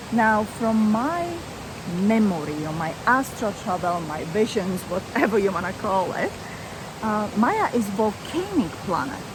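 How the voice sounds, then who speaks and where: At a fairly slow pace, a woman with a medium-pitched voice speaks with lively intonation over noticeable background noise. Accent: non-native. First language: not English. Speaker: spiritual channeler. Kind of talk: spiritual talk to camera. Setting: outdoors.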